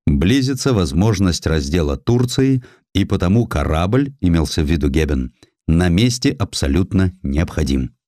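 A man narrating a scripted historical essay as an audiobook, telling it in an expressive, measured, literary manner. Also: low voice, dry recording, studio quality. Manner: expressive, measured storytelling delivery.

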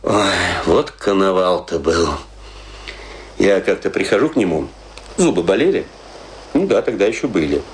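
A man's voice: sits low, animated, moderate pace, pauses often, a little hiss or hum. An actor in a radio play voicing a chatty, morbidly wry man with an ironic, theatrical delivery full of rhetorical questions. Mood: mocking, gossipy. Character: chatty, morbidly wry man musing over death and graves. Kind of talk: theatrical radio play monologue, conversational Russian storytelling.

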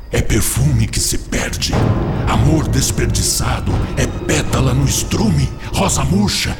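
A man's voice: mid-range voice, creaky. A man playing a cunning, lustful tempter spirit in a radio drama, theatrical, insistent and persuasive. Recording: music behind the voice.

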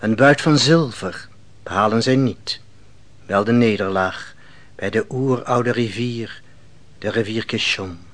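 An actor playing a solemn biblical bard who recites a war song in declamatory, poetic phrases for a radio play. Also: male voice, fairly low pitch, a little slow, fairly bright tone. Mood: rousing. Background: music.

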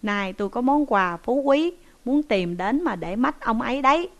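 A captured male traveler pleads his innocence in an urgent, raised voice, as a woman narrator puts him on. He sounds a little higher than a man would, as in a read-aloud storybook of an old tale. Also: expressive, normal speed. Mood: earnest.

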